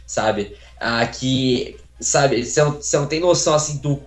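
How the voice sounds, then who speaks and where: A young Brazilian man speaks casually from a small room at home over a phone video call, his voice carrying a roomy echo. He talks in a warm, grateful way, rambling with lots of fillers and restarts, at a mid pitch. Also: measured pace. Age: young adult. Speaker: interviewee, voice acting contestant. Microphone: phone camera, video call.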